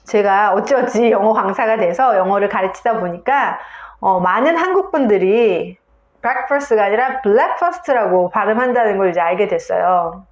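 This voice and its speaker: A woman's voice: medium pitch, expressive, a little slow, roomy sound, lo-fi sound. A woman English teacher giving a video lesson on pronunciation, explaining step by step and saying example words aloud.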